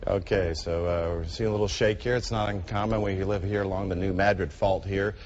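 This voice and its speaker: A man's voice: sits low, steady tone, a little fast, darkish tone. A man presenting the weather live, ad-libbing as he goes. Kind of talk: live ad-libbed weather report. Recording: dull lo-fi audio with background noise.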